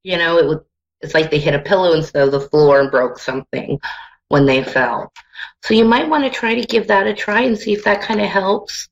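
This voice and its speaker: Woman, low pitch, psychic hotline reading, soothing counselling manner, terms of endearment, slightly dull radio audio. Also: lively intonation, fairly quick. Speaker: radio psychic taking a caller. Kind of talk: psychic hotline reading, giving life advice.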